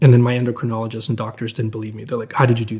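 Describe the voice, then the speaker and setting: His voice somewhat breathy, a man speaks very fast at a medium pitch. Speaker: breathwork and meditation coach. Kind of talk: podcast interview.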